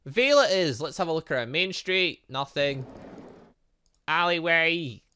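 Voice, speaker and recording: Animated, high-pitched man doing gaming commentary. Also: measured pace, clean tone. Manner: chatty, thinking aloud, muttering asides to himself. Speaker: gaming channel host playing a visual novel. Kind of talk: casual let's play commentary, reading game text aloud.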